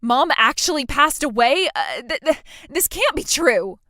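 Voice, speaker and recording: A woman's voice: high voice, big pitch swings, measured pace, pushed and bright, no room sound, clean studio sound, heavily acted. A young woman playing a self-absorbed, entitled bride who whines and stammers in a scripted drama. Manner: whiny, stammering, self-pitying.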